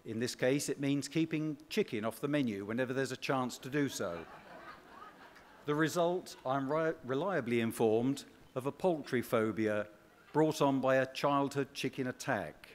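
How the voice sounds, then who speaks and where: A man delivers a scripted ceremonial award speech as presenter, in measured phrases with dry humour. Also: medium pitch, a little hiss or hum. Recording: echoey hall reverb.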